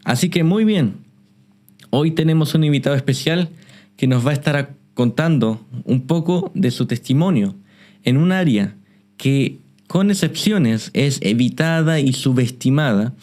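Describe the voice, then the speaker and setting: Measured male Christian interviewer. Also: medium pitch, a little mellow. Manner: measured, echoes the guest's words. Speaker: host.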